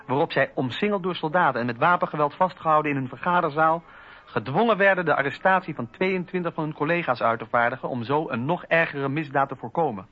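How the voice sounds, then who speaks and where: An actor playing a principled French Enlightenment philosopher, reciting political writings in an earnest, rhetorical manner with a husky voice. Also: male voice, fairly high pitch, quick pace, lightly acted. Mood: indignant. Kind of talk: dramatised reading of political writings. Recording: dull, muffled radio recording.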